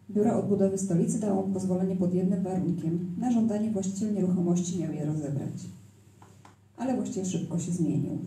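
Through noticeable background noise, a woman talks at a very fast pace and a medium pitch with fairly even intonation. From small town in Poland. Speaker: event moderator, interviewer. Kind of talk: moderated author interview. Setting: live event with audience, microphone. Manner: halting, many fillers.

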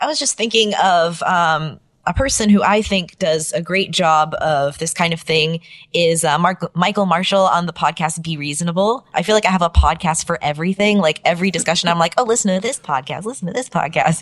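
An ordinary speaking voice from a woman with a fairly low pitch. She talks at a fairly quick pace with hardly any pauses and ordinary pitch variation. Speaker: podcast co-host. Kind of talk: casual podcast discussion.

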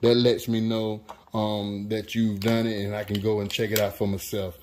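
A man talks while light noise sits in the background. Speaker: home cook channel host. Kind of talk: cooking tutorial. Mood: upbeat, friendly. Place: kitchen.

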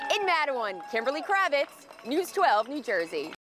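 Over noticeable background noise, a woman speaks at a moderate pace with very wide pitch swings, the sound dry with no echo. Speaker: TV news reporter. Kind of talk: news report. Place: street. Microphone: handheld.

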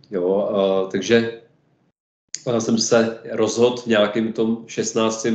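A man with a medium pitch speaks at a very slow pace in a monotone, flat intonation. Room echo is audible. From Czech Republic, Prague; Czech Republic. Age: 40s. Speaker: astrologer; guest. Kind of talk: casual chat. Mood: calm, explanatory. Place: home room. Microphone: video call.

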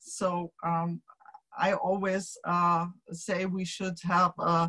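A woman speaks with a German accent at a fairly low pitch. Her intonation is fairly even, against a quiet background. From Germany. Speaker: German federal legislator, co-moderator; co-moderator. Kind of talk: webinar moderation and panel discussion. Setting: video webinar. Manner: halting, many fillers. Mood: friendly, engaged. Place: home room. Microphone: video call.

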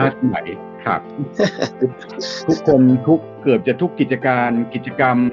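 A man speaks with lively intonation and very even loudness. Clear music plays in the background. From Thailand. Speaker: commercial voice-over announcer, TikTok creator. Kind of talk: casual interview answer. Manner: relaxed, conversational. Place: home room. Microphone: video call.

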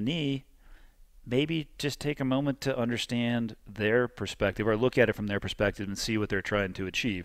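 A plain, everyday voice, its pitch varying in an ordinary way at a moderate pace, on a very clean recording with a silent background. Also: man. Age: 40s. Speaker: podcast host, former military pilot and skydiver. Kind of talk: casual interview chat; read ad.

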